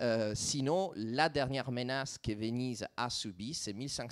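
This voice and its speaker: A man speaks with ordinary pitch variation. The recording is very clean, with a silent background and a dry, close sound with no echo. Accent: Italian. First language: Italian (speaking French). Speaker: historian. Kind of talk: conference talk. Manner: hesitant, many fillers.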